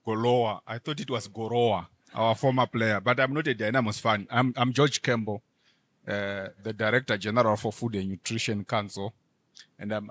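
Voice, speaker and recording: Halting, joking man with a low voice. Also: fairly bright tone. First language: not English. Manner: halting, stammering, jokey. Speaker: director general, invited speaker. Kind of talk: brief remarks at an event.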